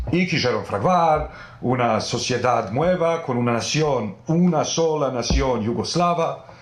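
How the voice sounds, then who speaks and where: A man with a fairly high pitch and lively intonation talks at a very slow pace with very even loudness. Audible room echo and noticeable background noise surround him. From Sarajevo, Bosnia. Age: 50s. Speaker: Ladino speaker interviewee. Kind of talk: interview.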